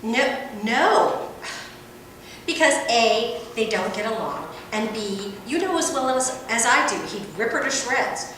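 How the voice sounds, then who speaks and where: Brash female talent agent played by an actress, wry and theatrical, highish lively voice, for a radio-play style table read. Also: measured pace. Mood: brisk, exasperated. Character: brash, sardonic female adult-film producer and agent. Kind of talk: acted script read aloud. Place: echoey room at a table read. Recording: distant mic in echoey, noisy room.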